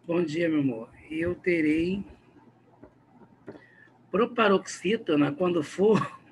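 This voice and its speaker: A man's voice: a little high, slow pace, slight background noise. A man teaching a recorded grammar video lesson with a Brazilian Portuguese accent, explaining patiently and often checking in with his students.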